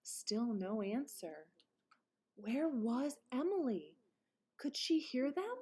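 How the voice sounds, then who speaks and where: Slow, animated woman reading a storybook. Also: on the high side, breathy edge. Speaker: read-aloud presenter, teacher. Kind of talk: expressive children's storybook narration with explanatory asides.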